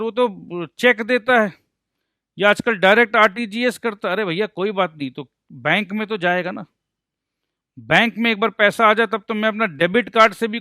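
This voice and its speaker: A man with a high, bright voice gives a lively accountancy lecture, recorded dry and close. He jokes his way through each point and answers his own questions as if a student had asked them. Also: no room sound. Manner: playful, mixes Hindi and English, jokes to explain. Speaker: accountancy teacher.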